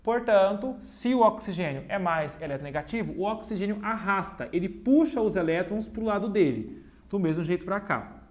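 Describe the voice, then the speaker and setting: A man's voice: high-pitched, lively intonation, moderate pace. A man teaching a chemistry video lesson at a digital whiteboard. He repeats key points step by step, talks straight to his students and slips in playful jokes at his own expense. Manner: playful, cracks jokes and teases himself between explanations.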